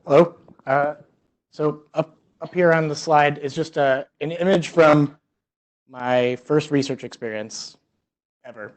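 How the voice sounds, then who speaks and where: A man's voice: on the high side, unhurried. A man presenting research at an academic seminar in a conversational, explanatory way, often rewording his phrases as he thinks aloud. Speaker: research scientist giving a seminar talk.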